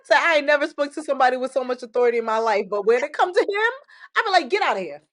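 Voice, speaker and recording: A woman guest giving an animated, emphatic faith testimony, exhorting listeners and laughing often. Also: high voice, rapid-fire. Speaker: podcast guest. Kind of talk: casual testimony-style faith talk.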